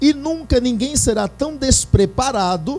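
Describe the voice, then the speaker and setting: Music plays in the background as a man speaks at a very slow pace. His extremely high pitch carries lively intonation. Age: 40s. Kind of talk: sermon. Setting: livestream with chat.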